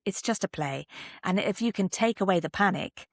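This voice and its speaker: A woman's voice: mid-range voice, lively intonation, moderate pace, no room sound, clean studio sound. A middle-aged British woman talking conversationally as an interview guest, reflective and articulate as she shares advice. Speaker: podcast guest, actor and voice artist.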